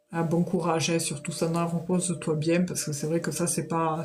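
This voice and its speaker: With music in the background and audible room echo, a woman speaks at a moderate pace in a fairly low pitch, with a regional French accent. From southern France. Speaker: psychic reader. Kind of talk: live stream chat. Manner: hesitant, many fillers.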